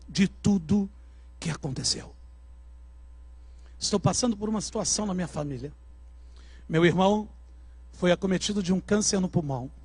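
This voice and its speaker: A Brazilian male pastor with a strikingly high voice tells a story from the pulpit. His delivery is dramatic and swells into shouts at the peaks. The sound is close and dry, with almost no room echo. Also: husky. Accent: Brazilian Portuguese. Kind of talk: sermon testimony. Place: church service.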